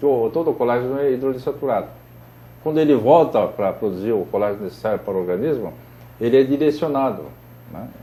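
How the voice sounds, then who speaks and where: At a very fast pace yet with long, frequent pauses, a man talks at medium pitch, his dark, mellow tone carried by lively intonation. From Brazil, interior of São Paulo state. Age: 70s. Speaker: health researcher and therapist. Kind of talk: interview. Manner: halting, with repeated words and fillers.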